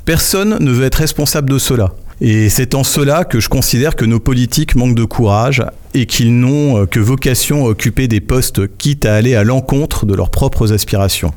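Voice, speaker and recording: Male radio guest, mid-pitched, earnest, hesitant delivery. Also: normal speed, a little mellow. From France. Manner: earnest, hesitant, many fillers. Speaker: guest commentator. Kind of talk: radio interview.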